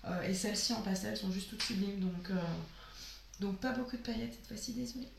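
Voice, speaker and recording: A sick woman with a hoarse voice, chatting casually through a haul of nail polishes and trailing off with fillers. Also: mid-range voice, a little fast, echoey room, noisy background. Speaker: beauty vlogger.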